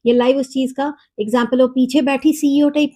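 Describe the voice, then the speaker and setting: A young woman talks over a reaction video in a high, husky voice, mocking and scolding the people she watches. Her tone is soft and mellow rather than bright. Now and then she slips into English. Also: steady tone, normal speed. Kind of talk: sarcastic reaction commentary.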